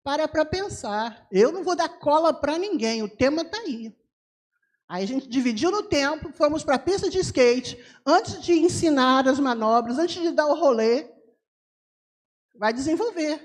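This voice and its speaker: A woman missionary speaking in a church service, telling her story with lively voice imitations. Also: high-pitched, unhurried. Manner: animated storyteller, mimics voices of locals. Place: church sanctuary.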